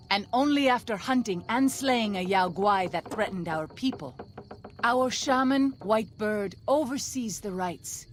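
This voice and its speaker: A devout tribal mother. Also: on the high side. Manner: formal, reverent. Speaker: game character. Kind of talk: video game dialogue.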